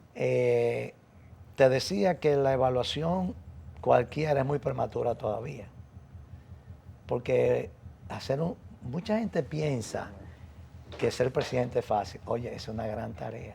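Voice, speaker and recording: A man's speech goes at a very slow pace, broken by long, frequent pauses. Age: 70s. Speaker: lawyer and veteran politician. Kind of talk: TV interview.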